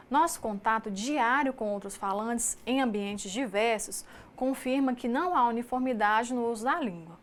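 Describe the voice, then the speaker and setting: A woman with a Mineiro Brazilian accent, a teacher giving a recorded distance-learning lecture in a measured, explanatory way, reading lists item by item. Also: fairly high pitch. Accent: Mineiro Brazilian Portuguese. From Minas Gerais, Brazil.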